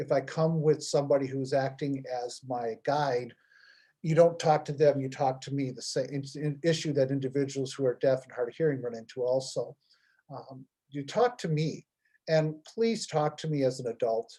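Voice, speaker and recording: With a dark, mellow tone, a man speaks at a moderate pace in a fairly high, somewhat breathy voice, his intonation fairly even but his loudness swinging widely. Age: 60s. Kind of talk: Q&A answer in a webinar talk. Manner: hesitant, many fillers and restarts.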